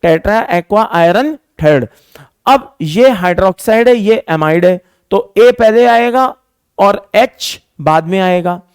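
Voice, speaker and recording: A male chemistry teacher gives a lecture in a mix of Hindi and English, with a smooth, clear voice. He dictates at an unhurried pace and repeats each term so students can copy it. The sound is dry and close. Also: high voice, lively intonation, dry recording. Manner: slow dictation, repeating terms for students to write; calls students "beta", patient and explaining.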